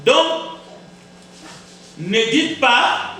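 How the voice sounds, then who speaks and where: A man's voice: very high voice, animated, pushed and bright, very echoey, distant mic, slight background noise. A man preaching a sermon as pastor, with Kizimba as his first language, emphatic and repeating words for effect. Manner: emphatic, repeats words, rhetorical questions, deliberate pauses. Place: church sanctuary.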